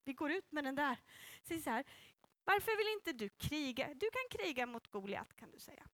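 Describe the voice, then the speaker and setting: High-pitched, bright woman telling a Bible story. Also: no room sound. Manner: playful, animated, involves child volunteers. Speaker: children's church leader.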